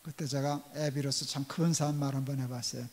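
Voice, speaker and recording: Pastor preaching in a reverberant church. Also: male voice, mid-range voice, fairly even intonation, a little fast, a little mellow, slight background noise. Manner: storytelling, acting out quoted dialogue. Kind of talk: sermon. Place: church sanctuary. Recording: long church hall reverb.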